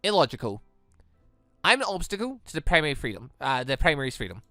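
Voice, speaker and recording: A man's voice: a little high, big pitch swings, fast talker, sharp tone, no echo, studio quality, faint music behind. A man voicing a cold, logical machine in a visual novel, with stiff, formal, clipped phrasing. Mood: cold, detached. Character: cold, logical sentient machine controlling a robot body. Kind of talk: visual novel character read-aloud.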